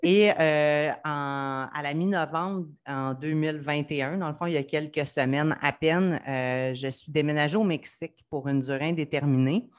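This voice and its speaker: A woman's voice: low-pitched, normal speed, few pauses. A woman in her thirties with a Quebec French accent, a podcast guest telling her story in a candid, personal way. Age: 30s. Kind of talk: casual podcast interview.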